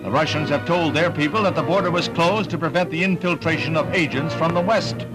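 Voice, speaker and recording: A man's voice: on the high side, fairly quick, low-quality recording. A man narrating an old 1960s newsreel in an emphatic, dramatic voice-over. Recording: voice-over over loud newsreel music.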